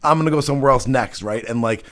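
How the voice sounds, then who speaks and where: A man's voice: mid-range voice, fast talker. An American man in his thirties hosting a podcast interview, talking loosely and casually and now and then swearing. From United States. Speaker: podcast host.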